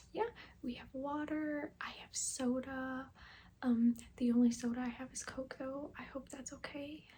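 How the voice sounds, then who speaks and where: A soft-spoken woman with a high pitch and dark, mellow tone, fairly even intonation, fairly slow pace and big swings in loudness. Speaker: ASMR creator. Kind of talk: ASMR roleplay personal attention. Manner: soft-spoken, friendly.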